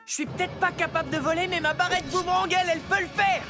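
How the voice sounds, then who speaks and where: A woman's voice: very high voice, fairly even intonation, fast. A woman voicing a brash, cheeky, wisecracking young superhero in a French cartoon dub. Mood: cocky. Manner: punning, cocky, exclamatory. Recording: loud music behind.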